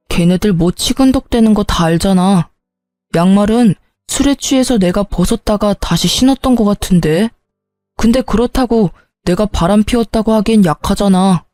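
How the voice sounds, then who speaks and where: A woman's voice: mid-range voice, warm tone, dry recording, natural voice. Woman voicing a whiny hungover husband. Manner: whiny, defensive, grumbling. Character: irritable hungover married man. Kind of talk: storybook narration voicing a character.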